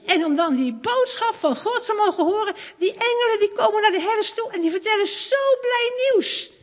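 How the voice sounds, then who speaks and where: A woman's voice: sits high, sing-song, a little slow, a bit bright, exaggerated voice. A woman voicing an earnest young boy who plays a shepherd, as she reads a children's story aloud. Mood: awed. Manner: earnest, wondering. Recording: long hall reverb.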